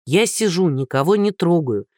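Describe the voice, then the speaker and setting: A storyteller voicing a tired, courteous man who speaks low and restrained. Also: animated, moderate pace, a little mellow, no echo, clean studio sound, natural voice. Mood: weary. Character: weary, polite middle-aged man.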